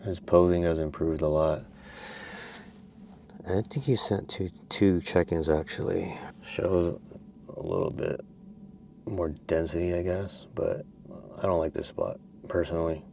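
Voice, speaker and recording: A man with a very low voice talks casually to the camera about his athletes, relaxed and conversational, sometimes trailing off quietly. A faint hiss sits behind him. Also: measured pace, gravelly. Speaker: bodybuilding coach and vlogger. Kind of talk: casual vlog talk.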